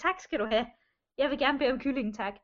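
A woman's voice: sits high, close to an everyday voice. A woman voicing a polite, eager young woman traveler who speaks in a chirpy, slightly hesitant way. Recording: dull lo-fi recording.

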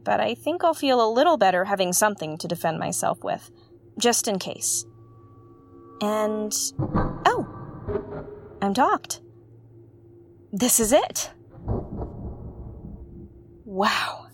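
Seeking an earnest female space sleuth for audio drama: mid-pitched, articulate, musing, with theatrical pauses. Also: very animated, slight background noise. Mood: nervous, focused. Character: Nym, earnest woman investigator hosting her own space mystery show. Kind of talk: audio drama narration, like a spoken field log.

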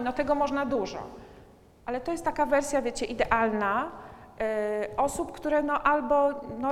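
Woman chatting to an audience about parenting, kinda high voice, lots of fillers, echoey room w/ faint background noise. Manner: conversational, addresses listeners directly, frequent fillers. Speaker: speaker on parenting. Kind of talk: informal talk to an audience.

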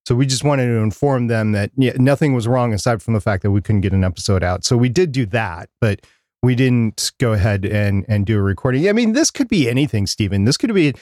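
A man's voice: mid-range voice, lively intonation, a little fast, a little mellow, dry recording, studio quality. A middle-aged man co-hosting a podcast about podcasting, chatting casually and rambling with frequent restarts. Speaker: podcast co-host.

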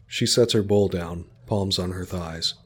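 A man narrating a story in a calm, descriptive way. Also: low voice, measured pace, husky.

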